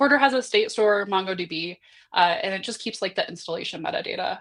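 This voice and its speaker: In a very clean recording with a silent background, a woman speaks at a medium pitch and a fairly quick pace. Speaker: software engineer presenting an open source tool. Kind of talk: technical presentation. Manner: fast.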